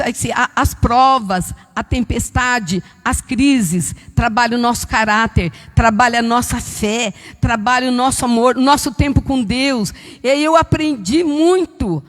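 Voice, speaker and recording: A woman in her seventies giving a fervent church testimony, telling her story with quoted dialogue. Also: sits high. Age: 70s. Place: church hall. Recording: long church hall reverb.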